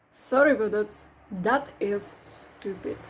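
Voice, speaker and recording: A woman speaks at a very slow pace in a Polish accent. The recording is very clean and the background silent. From Poland. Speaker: YouTuber. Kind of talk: casual monologue. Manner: halting.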